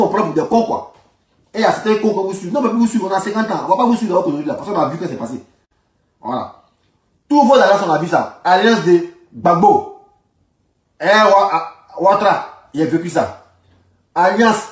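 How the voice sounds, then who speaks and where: A man with an Ivorian accent delivering an informal political rant in an emphatic, repetitive, indignant manner. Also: high-pitched. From Ivory Coast. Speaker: online political commentator. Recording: roomy echo, distant microphone.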